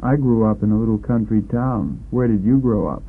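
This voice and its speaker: A man's voice: on the low side, expressive, a little fast, slightly rough. A man reading scripted drill responses on a language course, sentence by sentence with care. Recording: tinny, phone-like old lesson tape.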